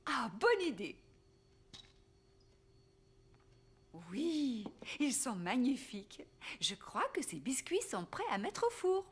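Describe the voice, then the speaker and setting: A woman voicing a kindly, cheerful grandmother in a children's cartoon, gentle and encouraging. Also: high voice, big pitch swings, a little slow. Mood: pleased. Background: music.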